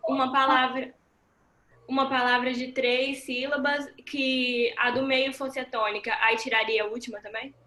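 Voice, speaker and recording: A woman's voice: high-pitched, level tone, moderate pace, pushed and bright. A female student on a video call asking hesitant questions in class. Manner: hesitant, searching for words. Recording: echoey room.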